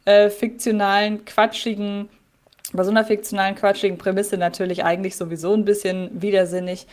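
A woman co-hosting a podcast about a radio play, talking things through in an analytical, wordy way and often rephrasing herself. Her voice sits at an ordinary pitch. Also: little pitch movement, a little fast, a little mellow. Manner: analytical, wordy, self-correcting. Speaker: podcast co-host.

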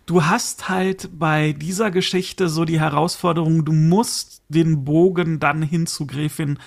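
A man with a fairly high voice and heavy creak talks as a podcast host in a casual chat. He sounds enthusiastic and often stops to rephrase as he goes. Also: steady tone, a little slow. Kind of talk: casual chat about audio dramas.

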